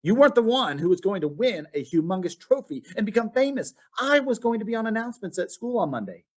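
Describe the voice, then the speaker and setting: A man's voice: high-pitched, big pitch swings, quick pace, pitched above the performer's own voice. A man voicing a sulky, dramatic schoolboy in a storybook, whining and complaining. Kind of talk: storybook read-aloud.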